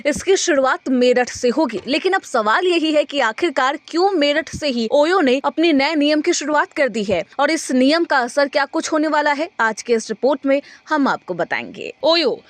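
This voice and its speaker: Woman news anchor, high voice, formal steady delivery, dry close studio sound. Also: moderate pace, hardly any pauses, dry recording. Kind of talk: scripted news report.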